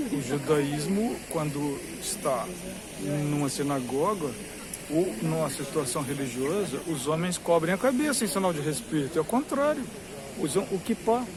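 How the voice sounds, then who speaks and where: A man with a Brazilian Portuguese accent and a slightly high voice vlogs from a crowded queue outside a cathedral, rambling informally, explaining at length and repeating himself for emphasis. The rough recording carries busy crowd noise with hiss and chatter in the background.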